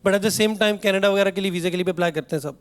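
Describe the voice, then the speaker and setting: A young man doing stand-up on a comedy stage, and his voice sits high for a man. He tells family stories with animated delivery and briefly acts out his parents and relatives as he goes. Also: fast talker, smooth. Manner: animated storytelling, acting out family members. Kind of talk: stand-up routine. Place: comedy stage before a live audience.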